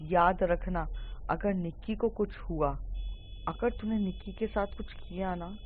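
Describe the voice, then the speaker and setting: A woman voicing an angry teenage boy who speaks in a low, threatening mutter. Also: unhurried, phone-quality sound, a little hiss or hum, close to an everyday voice.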